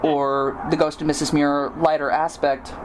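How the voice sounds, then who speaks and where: A woman's voice: low voice, little pitch movement, normal speed, background noise. A woman hosting a podcast, chatting casually in an interview and acting out what other people say in a chatty way. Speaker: podcast host.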